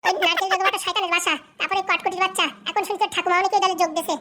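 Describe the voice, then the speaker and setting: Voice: extremely high pitch, flat delivery, very fast, sharp tone, slight background noise. A performer voicing a scheming, bossy cartoon mother who scolds and argues. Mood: plotting. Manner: scolding, argumentative. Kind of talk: comedy cartoon dialogue.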